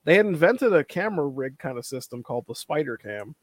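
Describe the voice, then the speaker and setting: A man co-hosting a casual film discussion, opinionated and energetic in his arguments. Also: fairly high pitch, brisk, background noise. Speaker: podcast co-host.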